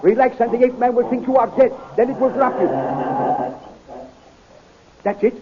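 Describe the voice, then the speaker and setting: A tinny old radio recording carries a protective scientist hero. His voice is pitched very high, urgent and loudly declaimed in 1930s adventure-serial style. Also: fairly even intonation, normal speed, heavy background noise. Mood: urgent, reassuring. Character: heroic, protective scientist doctor.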